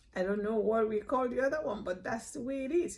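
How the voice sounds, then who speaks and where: A woman speaks with a strong Nigerian accent. Her tone is dark and mellow. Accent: thick Nigerian English. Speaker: immigrant vlogger. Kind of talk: casual talk to camera.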